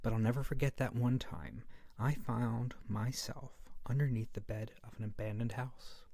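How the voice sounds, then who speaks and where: Casting: friendly under-the-bed monster played by a man, soft and breathy, mellow, gentle, sheepish, playful, ASMR roleplay delivered right on the mic. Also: medium pitch, normal speed, dry recording. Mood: hushed storytelling. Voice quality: soft, breathy, often near-whisper. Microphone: very close to the mic.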